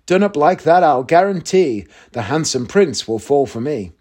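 A man's voice: fairly high pitch, sing-song, normal speed, a little mellow. A man voicing a young woman, a dreamy, demanding Cinderella, in a read-aloud verse fairy tale.

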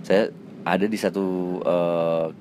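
A man's voice: sits low, slow, background noise. A man, an actor, casually telling an anecdote in an interview, acting out the other people's lines in changing voices. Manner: acts out quoted dialogue in changing voices; relaxed, chatty, with fillers and self-laughs.

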